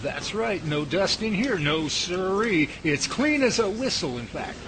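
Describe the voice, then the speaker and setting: A man's voice: high-pitched, sing-song, measured pace, background noise. A man playing a nervous, flustered researcher who babbles to cover his embarrassment.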